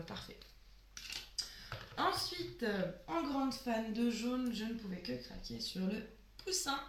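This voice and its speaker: Hoarse-voiced woman chatting in an echoey room. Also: mid-range voice, a little hiss or hum. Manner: chatty, sniffling, trailing off with many fillers. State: sick, hoarse voice. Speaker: beauty vlogger. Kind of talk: casual product haul.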